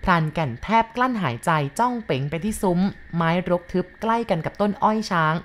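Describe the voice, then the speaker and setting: A woman storyteller recounts a ghost story in a lowish voice. She is polite and speaks straight to her listeners. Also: animated, brisk, a little hiss or hum. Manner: polite, addresses listeners directly.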